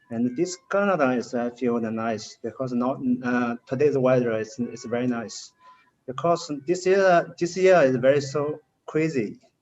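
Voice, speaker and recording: A man speaks with a Mandarin accent. His pace is fairly slow. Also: medium pitch for a man, ordinary pitch variation. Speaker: personal trainer, English student. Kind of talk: casual chat. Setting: video call. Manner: halting.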